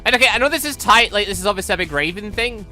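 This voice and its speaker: A gaming host doing let's play commentary and reading game dialogue aloud, animated and rambling, with self-questioning asides. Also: medium pitch, rapid-fire. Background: game music.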